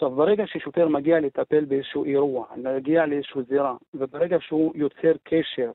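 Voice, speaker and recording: Moderate pace and fairly high pitch from a man. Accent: Arabic. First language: Arabic (speaking Hebrew). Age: 30s. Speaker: police officer. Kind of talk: radio interview.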